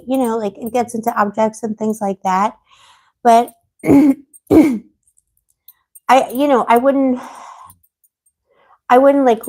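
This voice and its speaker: A woman hosting a tarot livestream in casual, rambling chat, full of fillers and restarts, gossipy and quick to laugh, with a voice that has been fading. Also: a little high, darkish tone. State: losing her voice. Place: living on a Mediterranean island.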